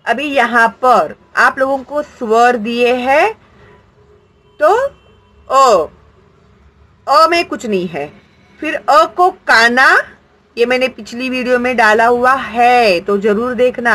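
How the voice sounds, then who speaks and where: A woman's voice: on the high side, fairly bright tone, poor audio. A woman teaching a grammar lesson, patient and explanatory, asking questions and answering them herself.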